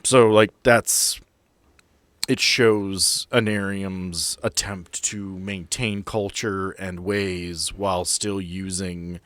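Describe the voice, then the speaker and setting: A man's voice: low voice, fairly even intonation, slow, fairly bright tone, no echo. A man running a tabletop role-playing game, narrating and chatting casually as game master. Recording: background music behind the voice.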